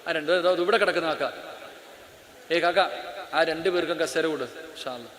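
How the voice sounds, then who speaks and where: A man's voice: on the high side, normal speed, fairly bright tone. A man preaching an Islamic sermon in an auditorium. He speaks straight to the crowd and keeps calling out and questioning his listeners. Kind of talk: sermon to a live hall audience. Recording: echoey auditorium with long reverb.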